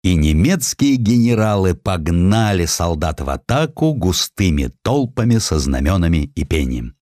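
A man reading a scripted historical narrative in an expressive, emphatic storytelling manner. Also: deep voice, normal speed, no echo, clean studio sound. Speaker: audiobook narrator.

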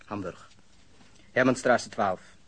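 A man's voice: fairly low pitch, slow, fairly bright tone. An actor playing a guarded suspect in his thirties under questioning in a radio drama, terse and faltering. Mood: guarded, flat. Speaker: interrogated suspect.

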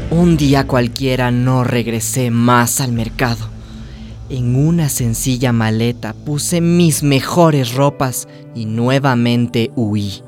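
A rumbling low, slow, darkish female voice carries this radio drama narration, with soft music underneath. The actress, who also plays the lead, voices a young trans woman hairdresser telling her life story; she sounds tender and wounded, wistful and confiding.

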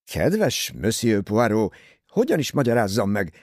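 A man reading aloud, voicing a nervous, agitated young husband who pleads and protests in excited outbursts. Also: on the low side, no echo, studio quality.

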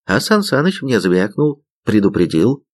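A man's voice: on the low side, sing-song, unhurried. A man voicing a brash, teasing young woman army commander in an audiobook. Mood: teasing bossy. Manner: teasing, bossy.

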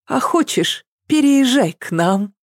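A woman's voice: high voice, lively intonation, takes it slowly, no echo, clean studio sound, pitched above the performer's own voice. A woman voicing a fussy, worried middle-aged mother in a read-aloud story, grumbling and fretful.

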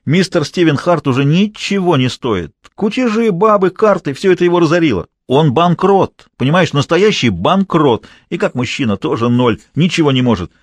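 A man voicing a jealous, hot-tempered man yelling crude insults at his girlfriend. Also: a little high, expressive, moderate pace, hardly any pauses, no room sound, studio quality, pitched above the performer's own voice. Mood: yelling, contemptuous. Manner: yelling, contemptuous.

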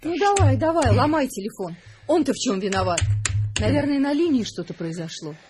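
A woman's voice: high voice, big pitch swings, brisk, over music. A woman acting in a radio drama as a sarcastic, dismissive wife with a breezy manner. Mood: sarcastic, annoyed.

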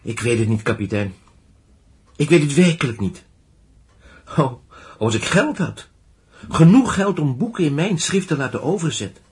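An earnest young teacher and inventor in a radio drama. He is stubborn and idealistic, with a lonely streak. His delivery is deliberate and emphatic, with pitch that rises and falls dramatically. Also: a little mellow. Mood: despondent, earnest. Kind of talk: Dutch radio play acting.

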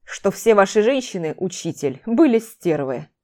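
A sharp-tongued young mage who grumbles and hisses his jabs, dropping his voice low and slow, as a woman puts him on in a storybook reading. His tone stays mellow and dark. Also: sing-song, natural voice. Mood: grumbling. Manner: grumbling, hissing mutter.

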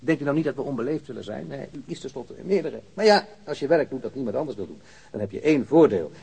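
An actor playing a sardonic, impatient corpse collector with gallows humour in a radio drama, talkative and mock-polite. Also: male voice, medium pitch, lively intonation, quick pace, vocal fry, darkish tone, breathy edge, exaggerated voice. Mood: needling.

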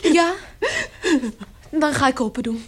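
An actress in a radio drama playing a dutiful young daughter, earnest and protective, with a nervous, stammering manner. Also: female voice, high voice, takes it slowly, very noisy. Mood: cautious, coaxing. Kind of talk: Dutch radio drama acting.

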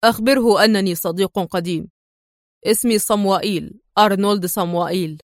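A woman voicing a stern, sharp-witted Arab agent man who talks in a curt, firm way. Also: high voice, brisk, dry recording, studio quality. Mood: feigned cheer.

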